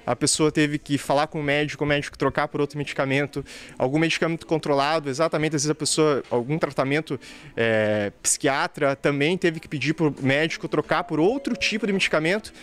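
Higher-voiced man explaining in a pharmacy. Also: fairly quick, fairly bright tone. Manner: explanatory, frequent tag questions. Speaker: pharmacy representative interviewed. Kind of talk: news interview answer. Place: pharmacy shop floor, indoors. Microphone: handheld reporter mic.

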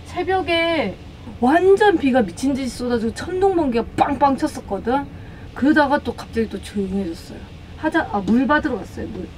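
A woman's voice: sits high, expressive, moderate pace, darkish tone, a little hiss or hum, poor audio. A woman co-hosting a vlog, chatting casually with her partner and the viewers. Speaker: vlog co-host. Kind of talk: casual chat.

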